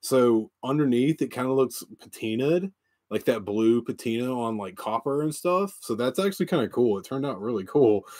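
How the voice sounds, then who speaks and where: The speech moves at a moderate pace with lively intonation. The background is quiet. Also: man. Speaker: YouTube channel co-host. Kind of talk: casual live stream chat while painting. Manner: jokey, laughs often. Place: home room.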